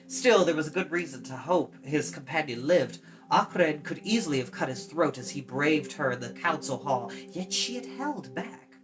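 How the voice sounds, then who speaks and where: A woman reading a fantasy story aloud as an expressive storytime narrator. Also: sits low. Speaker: storytime host and reader.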